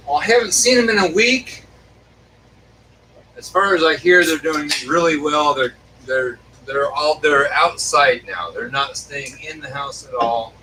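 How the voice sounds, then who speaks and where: Bright-voiced man, easygoing shop talk, heard from off-mic with faint noise. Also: a little high, measured pace, far from the mic, low-quality recording. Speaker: co-host of a live stream. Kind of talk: casual chat. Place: workshop.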